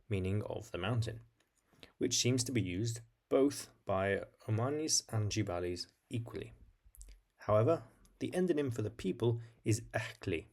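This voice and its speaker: Low-pitched man narrating an explainer. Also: gravelly, darkish tone. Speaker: video host. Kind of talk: scripted educational narration.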